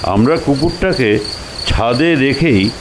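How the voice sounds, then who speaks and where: A male storyteller narrates in a lively, dramatised way, his pitch rising and falling widely as he slips into dialogue. Crickets and noticeable ambient noise sit behind his voice. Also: takes it slowly. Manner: expressive, acts out the dialogue. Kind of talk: dramatised first-person storytelling. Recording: noisy track with cricket and insect sounds.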